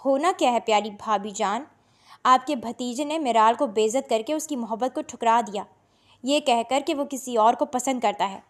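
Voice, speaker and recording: A woman's voice: a little high, darkish tone, natural voice. A woman voicing a scheming, spiteful middle-aged aunt in an audio story. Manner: sneering, hateful.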